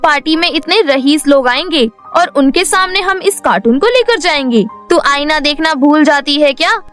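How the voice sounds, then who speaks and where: A spoiled, vain rich girl mocks and bosses others in a cartoon story, as a woman voices her. Her voice is high and haughty. Faint music plays underneath. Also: expressive, normal speed, a bit bright. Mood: mocking. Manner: mocking, bossy.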